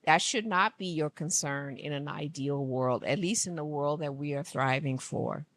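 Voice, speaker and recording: A woman from Liberia giving an earnest, emphatic speech at an event, speaking slowly. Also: sits low, fairly bright tone, slight background noise. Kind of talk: formal public speech. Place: conference room.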